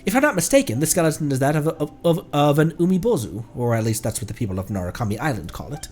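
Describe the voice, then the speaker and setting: A man's voice: fairly high pitch, big pitch swings, fast, darkish tone, soft background music. A man reading an earnest young scholar. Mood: explaining.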